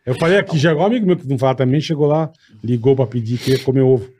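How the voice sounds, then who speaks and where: A man's voice: medium pitch, racing, dark tone, slight background noise. A man in casual chat, reacting with slang and laughing along.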